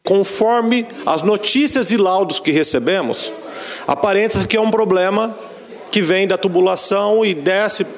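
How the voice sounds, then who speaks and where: A man's voice: high voice, a little slow. A man, a city councillor, making a floor speech with hesitations and restarts. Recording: reverberant council chamber.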